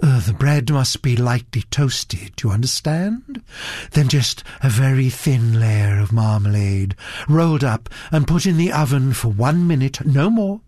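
A man's voice: medium pitch, expressive, unhurried, mellow, dry recording, studio quality. A man voicing a dreamy, absent-minded actress who murmurs and gushes over food.

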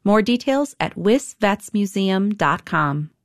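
A woman reading a public radio sponsor credit in an even, formal way. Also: mid-range voice, slow, no room sound, studio quality. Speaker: station announcer. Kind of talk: underwriting announcement.

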